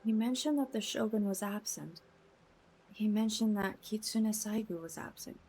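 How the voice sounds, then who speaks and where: A woman's voice: mid-range voice, moderate pace, darkish tone, slight background noise. A woman streaming a game, reacting casually and reading out choices.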